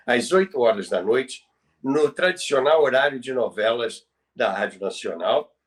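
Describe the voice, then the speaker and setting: An older Brazilian man co-hosting a conversational talk on history, explaining in an emphatic, didactic way and repeating phrases. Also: mid-range voice. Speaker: co-host, former radio professional. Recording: distant from the microphone.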